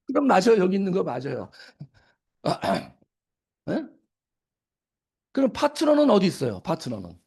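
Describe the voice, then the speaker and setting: A man's voice: sits high, huge pitch swings, slow, vocal fry, pauses often, darkish tone, husky. A middle-aged man giving a seminar talk to an audience, often asking them questions and then answering them himself. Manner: acts out quoted scolding lines. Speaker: business seminar speaker. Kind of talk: lecture to an audience.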